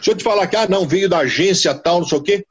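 An older man with a Paulistano accent from Mooca, a veteran radio broadcaster, telling stories in a lively casual interview. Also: racing, husky, muffled recording. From São Paulo, Brazil. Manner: animated storyteller, leaps in pitch for emphasis. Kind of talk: casual storytelling interview over an online call.

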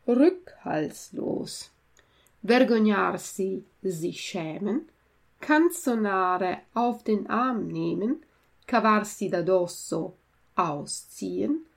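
Slow, gravelly woman reading aloud. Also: mid-range voice, a little mellow. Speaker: language teacher reading a story aloud. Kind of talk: slow storybook reading with vocabulary glossary.

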